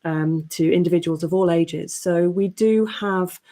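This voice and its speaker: Woman talking on a panel, soft dark-ish tone, a bit low, explains stuff carefully and earnestly. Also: measured pace. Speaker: podcast editor, panelist. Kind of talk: considered panel discussion talk.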